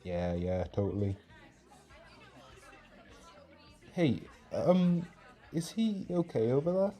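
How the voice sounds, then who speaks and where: A man plays an amiable, easygoing male friend at a party in an audio drama. His voice is medium in pitch and relaxed, with a casual, friendly way of talking. Party music plays behind him. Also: unhurried. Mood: curious, concerned. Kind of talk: casual roleplay dialogue.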